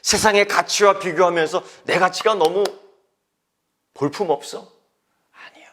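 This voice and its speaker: A male pastor preaching a sermon, swinging between loud emphatic exhortation and hushed whispered lines. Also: sits high, a little slow.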